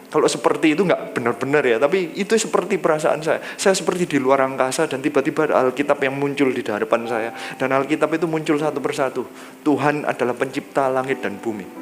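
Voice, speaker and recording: A man preaches a personal testimony from the pulpit. His voice sits a bit high, and his storytelling is animated. He turns slow and low when he voices heavier moments. A faint hiss runs under the recording. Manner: lively storytelling, drops low and slow when quoting God. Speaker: pastor. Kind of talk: sermon testimony.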